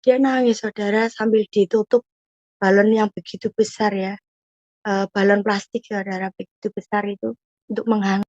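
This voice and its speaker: A woman's voice: medium pitch, level tone, normal speed, a little mellow, dry recording. A woman giving an emotional personal testimony, earnest and repeatedly addressing her listeners. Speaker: testimony guest. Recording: muffled dull audio.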